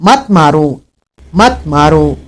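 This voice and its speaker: A man's voice: on the high side, expressive, very slow. A man voicing a desperate young woman who cries out pleading with her brother in an audiobook. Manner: crying out in pleas. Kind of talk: audiobook character reading.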